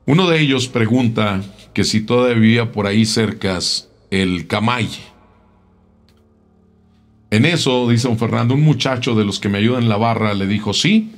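A man telling a local tale in a casual, unhurried way, often repeating words as he goes. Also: on the low side. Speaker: storyteller.

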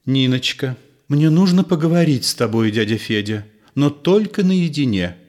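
A man's voice: mid-range voice, expressive, normal speed, darkish tone, pitched above the performer's own voice, lightly acted. A man voicing an eager young woman. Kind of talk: audiobook play reading.

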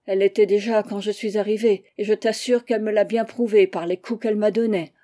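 A woman voicing a resentful but softening orphan boy in an audiobook, complaining and earnest. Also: medium pitch, fairly even intonation, a little fast, natural voice.

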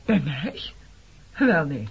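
An actress in a Dutch radio play playing a bitter, defiant middle-aged woman who speaks reproachfully with a sharp tongue. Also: low-pitched, very animated, slow pace, gravelly, breathy edge, heavily acted. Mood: defensive. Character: bitter, defiant woman confronting an old comrade. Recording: dull, muffled radio play recording.

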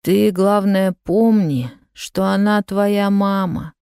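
A woman voicing a calm, elderly great-grandmother comforting a frightened child. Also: mid-range voice, slow, clear, resonant tone, dry recording, clean studio sound, voice pushed up. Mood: soothing. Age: older. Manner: calm, soothing.

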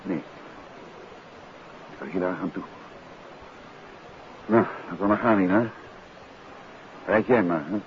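A muffled, hissy old radio drama recording carries a gentleman detective. His voice is low, and he is composed, courteous and firm as he probes with questions. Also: slow pace, long pauses. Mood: grave, decisive. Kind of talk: 1950s Dutch radio drama acting.

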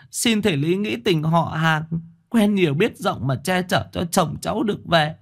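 A man voicing a poor village wife, pleading in a high wailing voice. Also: gravelly, exaggerated voice. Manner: wailing, begging.

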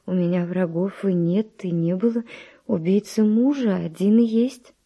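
Refined young widow, dull old recording. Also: female voice, mid-range voice, measured pace, dark tone. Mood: insistent curiosity. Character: virtuous, curious young noble Spanish widow. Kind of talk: theatrical verse radio drama acting.

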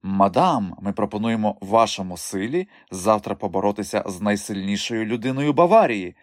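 A man voicing a breathless little gentleman making an eager business offer. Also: fairly low pitch, animated, moderate pace, no room sound, studio quality, close to an everyday voice.

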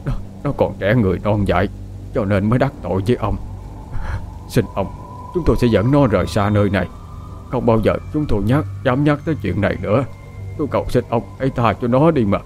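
A man voicing a frail old peasant father in an audio story, begging in a broken, halting way. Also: fairly low pitch, darkish tone, soft background music, natural voice.

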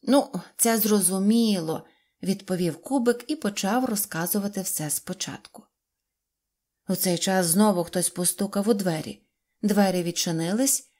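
A woman narrating a children's tale in an even, clear storytelling voice. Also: medium pitch, moderate pace.

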